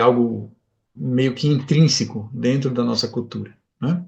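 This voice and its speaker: At a fairly slow pace, a man with a northeastern Brazilian accent speaks at a medium pitch. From Brazilian Northeast. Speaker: lecturer, musician and civil servant. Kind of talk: lecture. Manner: hesitant, many fillers and repetitions.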